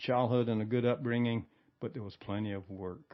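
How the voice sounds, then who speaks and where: This man's intonation stays fairly even, and his pitch is medium. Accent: Southern US. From eastern North Carolina. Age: 70s. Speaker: Air Force veteran. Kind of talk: casual interview. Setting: at a refurbished missile silo.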